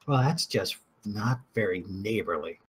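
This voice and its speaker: A woman's voice: very deep voice, animated, a little slow, husky. A woman playing a tabletop game, speaking in character with cocky, sarcastic banter. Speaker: player.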